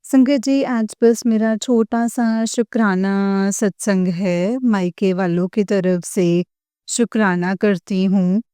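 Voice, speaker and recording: A middle-aged woman from Punjab gives a devotional testimony. She is tearful, talks in a slow, repetitive way and keeps addressing the congregation. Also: medium pitch, dark tone, clean tone, dry recording, clean studio sound. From Punjab, India.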